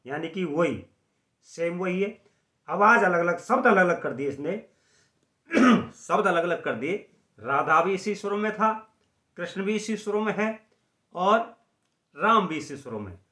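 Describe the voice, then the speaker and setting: A man teaching a singing lesson at the harmonium, slowly explaining notes and singing short chant phrases. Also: high voice, sharp tone, echoey room. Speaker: music teacher.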